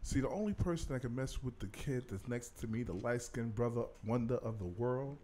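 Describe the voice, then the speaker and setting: Male radio host, teasing, mid pitch, faint noise under the studio mic. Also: a little fast. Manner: teasing, laughs often. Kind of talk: casual radio banter.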